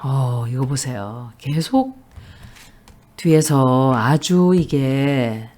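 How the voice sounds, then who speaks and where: A woman's voice: rumbling low, sing-song, extremely slow, dark tone. A woman giving a tarot reading in a monologue, making blunt, emphatic predictions. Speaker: tarot reader.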